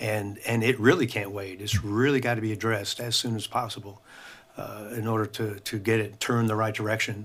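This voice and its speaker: A man's fairly low voice at a fairly quick pace, fairly even in intonation, on a very clean recording with a silent background. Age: 60s. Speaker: political candidate. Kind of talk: candidate interview. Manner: halting, many fillers.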